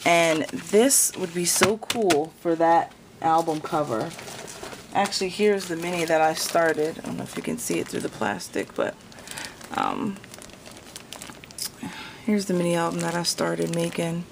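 A woman chatting casually to her viewers as she unwraps craft gifts, gushing with thanks and dropping to a soft whisper when something delights her. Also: fairly low pitch, expressive, measured pace, creaky, background noise. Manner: gushing, repeats thanks and exclamations. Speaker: craft vlogger opening gifts. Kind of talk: casual unboxing chat to camera. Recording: loud paper crinkling and rustling.

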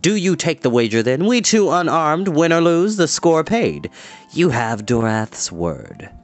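A man voicing a cruel, cocky brigand leader in an audiobook, taunting and menacing with theatrical, drawn-out delivery. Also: a little high, sing-song. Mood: goading.

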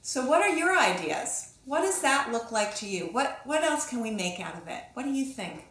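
A woman in her fifties with a fairly high voice speaks casually to young children as an author and illustrator giving a lesson. She thinks out loud and encourages them with questions. The room around her is clearly echoey. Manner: encouraging, musing aloud with questions to the viewer. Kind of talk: casual instructional talk to children. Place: small indoor room with echo.

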